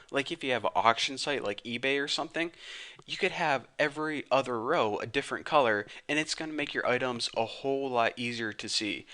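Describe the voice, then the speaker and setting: Man, coding tutorial host, bright tense tone, slangy, joking, casual. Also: mid-range voice. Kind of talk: casual screen-recorded tutorial.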